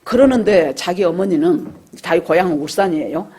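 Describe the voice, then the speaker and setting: Husky-voiced woman pastor preaching. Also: fairly low pitch, lively intonation, brisk, warm tone. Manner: storytelling, acting out quoted dialogue. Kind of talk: sermon. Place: church service.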